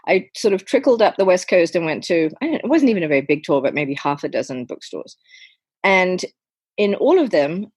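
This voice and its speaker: A woman's voice: lowish voice, a little mellow, no room sound. Wry English-born woman author, dry sound. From England. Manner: wry, self-deprecating humor. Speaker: author guest. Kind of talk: casual interview chat.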